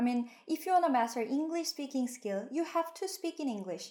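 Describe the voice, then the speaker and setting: A woman speaks with a Korean accent and a high pitch. Her tone is dark and mellow, her intonation lively. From South Korea. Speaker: translator and YouTuber. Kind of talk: talk to camera tutorial.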